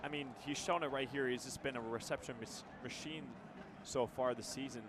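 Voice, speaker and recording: A man's voice: mid-range voice, fairly even intonation, brisk, noisy background. A young man with an American accent giving conversational live football analysis on radio, now and then stumbling over words. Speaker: color commentator.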